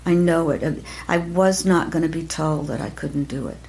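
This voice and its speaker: An older woman, an acting teacher, talking reflectively in an interview, soft-spoken and halting, with many pauses and restarts. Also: low-pitched, vocal fry. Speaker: acting teacher, podcast guest.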